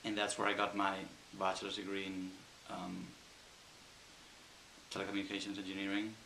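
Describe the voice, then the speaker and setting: A man from Spain with a Spanish accent, an engineer answering interview questions thoughtfully with frequent pauses and ums. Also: low voice, completely flat delivery, gravelly, pushed and bright, reverberant, a little hiss or hum, rough recording. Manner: thoughtful, hesitant with many ums.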